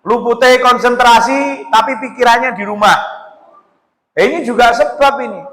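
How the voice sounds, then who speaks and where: A male Islamic preacher, giving a casual, animated sermon to a women's study group. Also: very high-pitched, normal speed. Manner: casual preaching, mixing Javanese words, animated. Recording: echoey hall reverb.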